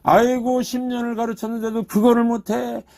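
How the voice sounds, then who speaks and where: A man's voice: extremely high pitch, little pitch movement, moderate pace, vocal fry, dark tone, pitched above the performer's own voice. A man voicing a middle-aged wife who scolds and belittles her husband in exasperated nagging tones.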